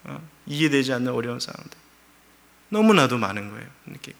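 A man's voice: medium pitch, very animated, quick pace, gravelly, a bit bright. A middle-aged man preaching a sermon as pastor, telling a story with feeling and acting out quoted prayers.

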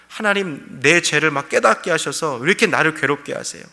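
A man's voice: a little high, expressive, a little fast, vocal fry, sharp tone, exaggerated voice. A man preaching who acts out an anguished suffering man pleading bitterly with God. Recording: reverberant hall.

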